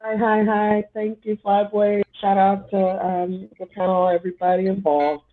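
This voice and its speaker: A Somali-born woman in her forties joins a casual panel chat as a guest, talking candidly and ramblingly. Her mid-range voice keeps little pitch movement at a normal speed, heard over a tinny, phone-like line.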